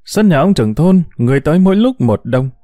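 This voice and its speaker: A man narrating a story in an expressive, emotive way. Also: fairly high pitch, quick pace, no echo, clean studio sound.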